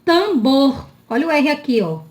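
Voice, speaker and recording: A woman teaching a children's spelling lesson in a slow, drawn-out, sing-song voice, often checking in with her listeners. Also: a little high, animated.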